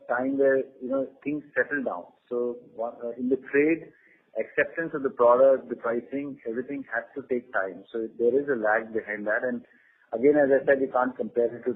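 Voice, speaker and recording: A man speaking as a company executive, giving halting, measured, unscripted answers on an earnings call over the phone. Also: mid-range voice, breathy edge. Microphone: phone conference line. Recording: tinny phone-line conference call.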